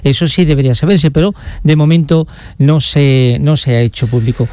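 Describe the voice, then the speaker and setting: A man's voice: a little high, moderate pace, warm tone, no echo. A man, chatting on the radio as a correspondent in a jokey, self-mocking, rambling way. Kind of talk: casual radio chat.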